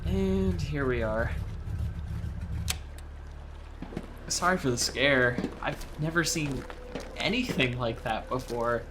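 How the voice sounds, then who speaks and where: A man's voice: mid-range voice, unhurried, background noise, close to an everyday voice. A man playing a friendly, easygoing small-town boat driver in a naturalistic audio drama, speaking conversationally. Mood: relieved, shaken. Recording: loud boat engine and water ambience.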